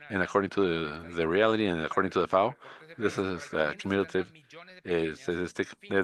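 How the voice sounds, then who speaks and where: A man's voice: low voice, a bit bright. A man from Rica, giving a conference presentation in hesitant English, full of filler sounds and restarts. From Costa Rica. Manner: hesitant, many filler uhs and restarts, speaking English as a second language. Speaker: conference speaker.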